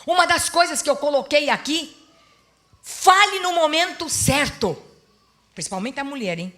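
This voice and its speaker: A middle-aged woman pastor preaches to a church seminar in a high voice. Her delivery swings between soft, confiding storytelling and loud, emphatic exhortation. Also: normal speed. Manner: lively storytelling, acts out quoted dialogue.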